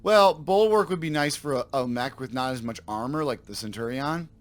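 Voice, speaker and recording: A man with a slightly raspy voice from a sore throat, casually commenting on his game for viewers and thinking aloud as he corrects himself. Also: medium pitch, animated, moderate pace. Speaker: let's play host.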